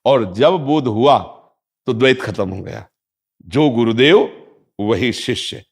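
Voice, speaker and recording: A man giving a calm spiritual discourse, reciting Sanskrit verses and affirming listeners often. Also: medium pitch, takes it slowly, husky. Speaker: spiritual teacher.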